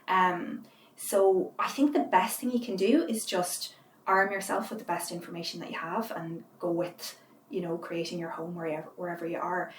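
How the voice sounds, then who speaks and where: A woman in her thirties with an Irish accent, a guest chatting casually in an interview and telling lively stories. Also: on the low side, reverberant, recorded from a distance, slight background noise. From Ireland. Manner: chatty, animated storyteller.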